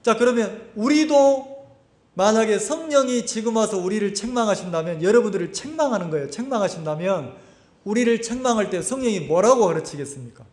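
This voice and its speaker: A man's voice: high-pitched, lively intonation, fairly quick. A male pastor preaching a sermon at a church camp, constantly asking the congregation questions. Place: church summer camp service. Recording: echoey hall.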